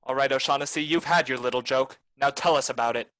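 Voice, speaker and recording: A man's voice: medium pitch, fast, fairly bright tone, dry recording, close to an everyday voice. Dry recording, man acting as hard-boiled private eye, clipped, tough, commanding, noir radio drama. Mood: wry, firm. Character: hard-boiled male private detective, cool, shrewd, commanding.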